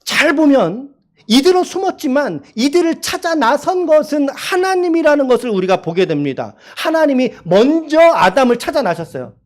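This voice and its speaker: A male pastor preaching a Sunday sermon in a church, asking the congregation questions and reading scripture slowly. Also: extremely high pitch, sing-song. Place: church sanctuary.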